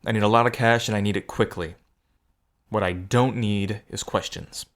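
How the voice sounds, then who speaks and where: Man playing an earnest low-voiced desperate gambler. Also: steady tone, moderate pace, fairly bright tone. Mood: guarded, bluffing. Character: earnest, desperate male bartender bluffing as a gambler. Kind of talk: naturalistic audio drama acting.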